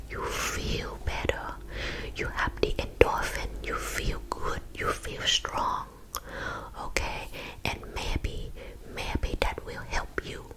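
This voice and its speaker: A woman's voice: natural voice, rough recording. A woman playing a blunt, encouraging counselor with an East Asian accent in a whispered role-play, often checking in with the listener. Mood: firm, encouraging. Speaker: counselor giving advice.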